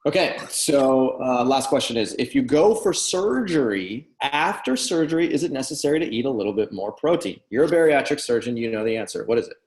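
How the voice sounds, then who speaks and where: A man's voice: medium pitch, expressive, a little fast, few pauses, a little mellow. A man hosting a webinar interview, agreeable and upbeat, wrapping up with a promotion. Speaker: webinar host. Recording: echoey room.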